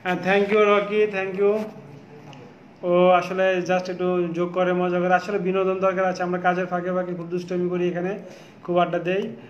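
A tired man hosting a late-night live stream from a clothing showroom, reading out viewer comments with many pauses. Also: high-pitched, completely flat delivery, slight background noise. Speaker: shop host on a live stream. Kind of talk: casual live-stream chat. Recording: echoey, dull phone audio.

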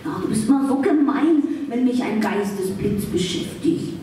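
A woman's voice: fairly high pitch, animated, moderate pace, mellow, a little hiss or hum, close to an everyday voice. A woman playing an anxious, scolding male pug in a live stage radio play, hesitant and whiny. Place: theatre stage, recorded from the audience. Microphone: far camera. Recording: very echoey, distant stage recording.

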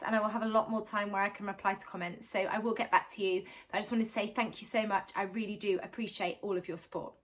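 A woman in her thirties talks through her sewing projects in a loose, rambling way, full of "um"s. Her voice sits a little high and carries a slight sore-throat roughness. She speaks to a camera at desk distance in a small home sewing room. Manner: chatty, rambling, many "um"s. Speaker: sewing vlogger and teacher. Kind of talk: chatty sewing catch-up vlog.

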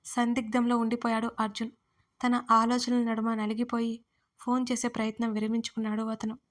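Even-toned woman narrating a story. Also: a little high, fairly quick. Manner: steady, even reading.

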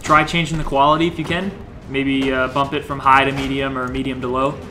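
A young man hosting a casual gameplay livestream, joking and greeting viewers while he plays, his voice a little hoarse. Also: medium pitch, little pitch movement, fairly quick. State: slightly hoarse, losing his voice. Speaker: livestream game host.

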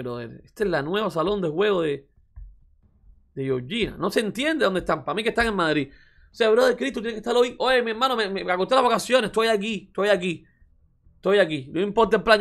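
A man's voice: high voice, fairly bright tone. A man giving casual, slangy football commentary on his channel, exasperated and ranting, often calling the listener brother. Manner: loose and slangy, with mild swearing. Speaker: football YouTuber.

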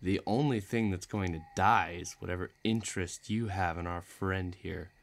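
A man's voice: deep voice, steady tone, normal speed, creaky. A man playing a menacing, bloodthirsty villain who taunts and threatens in an audio roleplay. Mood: threatening, sneering. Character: menacing bloodthirsty male villain craving a duel.

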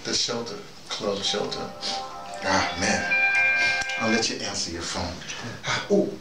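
Low-voiced American man, echoey and distant. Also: loud music behind the voice. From North America. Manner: halting, digressive, repeats words. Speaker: host of a personal video dispatch. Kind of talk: rambling casual monologue to camera. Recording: echoey room, distant mic, noisy background.

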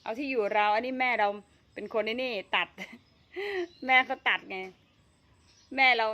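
Bright-voiced woman chatting in her garden. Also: fairly high pitch, sing-song, unhurried. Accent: Thai. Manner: chatty, talks to herself while working, frequent fillers and laughs. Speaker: home gardening vlogger. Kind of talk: casual gardening vlog narration.

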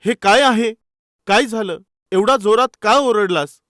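A man voicing an indignant young male atheist who shouts in pain and fires off outraged questions. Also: sits high, no room sound, studio quality. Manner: outraged, loud, rapid-fire questions.

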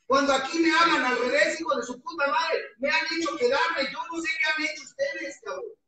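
A man's voice: very high-pitched, bright, forceful tone. A man with a Mexican accent giving an impassioned, heavily profane testimony at a support-group meeting, his voice often breaking. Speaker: recovering alcoholic giving testimony. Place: meeting hall with an audience. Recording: echoey hall, mic far off, crowd behind.

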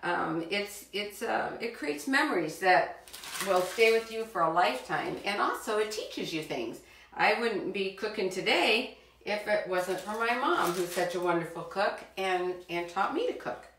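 A woman's voice: medium pitch, expressive, unhurried, fairly bright tone, slight background noise. A middle-aged woman hosting a live cooking demonstration for children in her home kitchen, chatty and encouraging as she talks straight to the kids. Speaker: cooking show host for children. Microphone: far camera. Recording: roomy kitchen sound from a distance.

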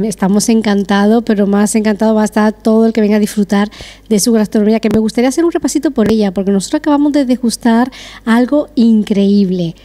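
A woman's voice: mid-range voice, mellow. A middle-aged woman hosting a TV interview, speaking in an effusive, complimentary way into a handheld mic. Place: decorated restaurant patio.

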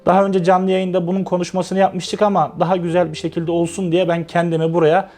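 A man's voice: high-pitched, flat delivery, fairly quick, a little mellow. A man hosting an interview, greeting viewers in a friendly, upbeat way and introducing his guest. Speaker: host.

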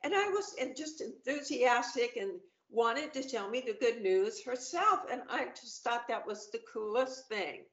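A woman's voice: fairly high pitch, expressive, measured pace, hardly any pauses. A middle-aged woman chatting on a video call, upbeat and talkative, with many fillers and restarts. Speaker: panel guest. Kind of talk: casual video-call chat. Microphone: video call webcam. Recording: roomy, dull webcam audio.

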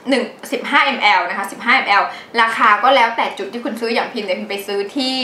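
A chatty woman with a bright, higher voice talks through her used-up products in a casual, animated way. Her voice rings around an echoey room, with a faint hiss under it. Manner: chatty, animated, laughs often. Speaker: beauty vlogger. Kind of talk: casual product review chat.

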